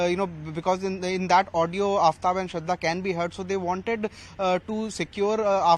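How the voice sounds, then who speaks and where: A man gives a live field report in Indian English. His voice is notably high for a man, and he speaks haltingly, repeating phrases. Faint outdoor city noise sits behind him. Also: poor audio. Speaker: news reporter.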